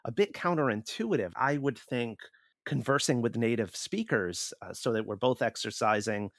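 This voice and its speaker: A man's voice: medium pitch, animated, moderate pace, a bit bright, no room sound, studio quality. A man co-hosting an interview, asking questions in a curious, inquisitive manner. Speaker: co-host, interviewer.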